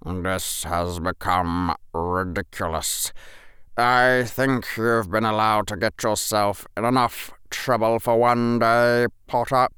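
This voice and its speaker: A man's voice: lowish voice, little pitch movement, slow pace, fairly bright tone, smooth, no echo, clean studio sound. An actor playing a sneering, bullying adult male teacher with a contemptuous drawl. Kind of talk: audiobook character voice.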